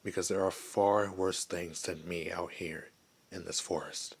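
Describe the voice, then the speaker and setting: A gentle, wistful male werewolf, played by a man for an ASMR roleplay, speaks in a very low register. His delivery is slow and barely rises or falls, with hesitant pauses, as if confiding in a lone listener. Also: steady tone, gravelly, breathy edge, exaggerated voice. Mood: reflective, warning. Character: gentle, lonely male werewolf, former human, wistful outcast.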